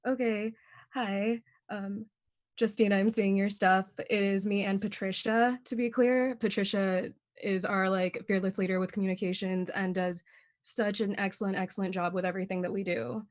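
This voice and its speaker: A young woman speaks over a video call in a relaxed, chatty way. She laughs easily and fills her pauses with small fillers as she updates colleagues, and her voice sits at an ordinary middle pitch. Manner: friendly, laughs often, many fillers. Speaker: library staff running bilingual story time. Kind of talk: casual meeting update.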